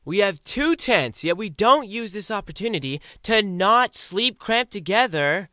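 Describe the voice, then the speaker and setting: A man acting a cheeky, excitable young travelling companion in a fan audio drama, with a teasing, whiny manner. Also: high voice, measured pace, no room sound, full character voice. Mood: complaining.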